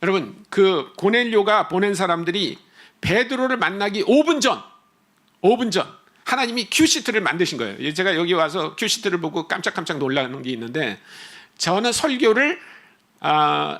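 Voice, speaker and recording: A male guest missionary preaching a lively sermon, with a fairly high voice. His pitch swings widely as he jokes and chats with the congregation. The delivery is animated and playful throughout. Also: moderate pace. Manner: animated, humorous, chatty asides to the congregation.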